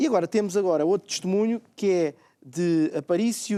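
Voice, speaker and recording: A man with a European Portuguese accent and a dark, mellow tone at a moderate pace with ordinary pitch variation, in a very clean recording with a silent background. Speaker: bishop, TV program co-host. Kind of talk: religious TV program, reading testimonies.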